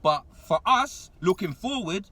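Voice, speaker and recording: A young man, giving a comedic, slang-heavy rant as a football fan in an animated, exasperated manner. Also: high-pitched, measured pace, slightly rough, recorded from a distance.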